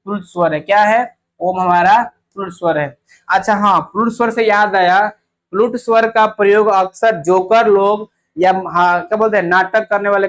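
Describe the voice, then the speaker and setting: A young man with a notably high-pitched voice runs an exam-prep grammar lesson. He keeps repeating key points and quizzing his listeners with rhetorical questions, and he drawls out each sound as he demonstrates it. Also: fairly bright tone. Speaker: teacher.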